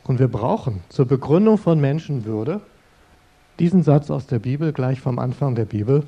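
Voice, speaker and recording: A man's voice: mid-range voice, expressive, normal speed, dull audio. A middle-aged man speaking as a Christian in an earnest, conversational sermon, addressing the listeners directly. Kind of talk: sermon-style talk.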